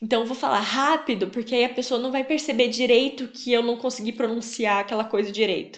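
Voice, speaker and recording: Her pitch high and her intonation fairly even, a woman speaks with hardly any pauses. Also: fairly quick pace. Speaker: online course teacher. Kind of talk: online course lecture. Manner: fast; casual.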